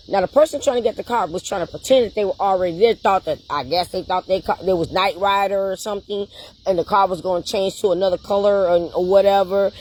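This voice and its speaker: A woman with an American accent talks fairly quickly at a medium pitch with ordinary pitch variation, recorded dry and close with no echo. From Chicago, US. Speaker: vlogger. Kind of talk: casual storytelling monologue. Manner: fast.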